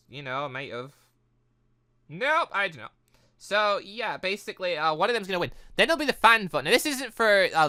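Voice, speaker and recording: A gaming video host giving casual, excitable commentary, rambling and thinking aloud with frequent self-corrections. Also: mid-range voice, smooth, dry recording, studio quality.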